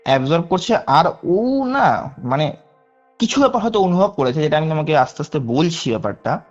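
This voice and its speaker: Young man, twenties, chatty caller who keeps checking in, slightly high voice, soft music underneath. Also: very animated, brisk, dull audio. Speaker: caller sharing a true ghost story. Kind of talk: casual storytelling on a call.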